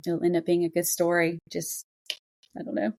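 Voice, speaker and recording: A woman's voice: on the low side, completely flat delivery, normal speed, a little mellow. A woman co-hosting a writing podcast, talking in a casual, candid and chatty conversational way. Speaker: podcast co-host and fiction writer.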